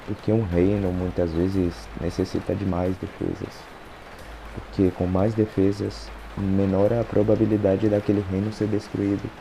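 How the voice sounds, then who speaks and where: Against noticeable background noise, a soft-spoken man talks fairly slowly in a fairly low, monotone, flat voice. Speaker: gaming youtuber. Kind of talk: gameplay commentary voiceover. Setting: home recording at night. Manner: quiet, low volume. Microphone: room echo.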